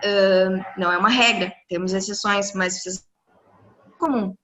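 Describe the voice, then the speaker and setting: A woman, an English teacher explaining pronunciation rules to students in a live online class over a computer mic, lively and encouraging. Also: medium pitch, moderate pace, slight background noise. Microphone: computer mic on a video call.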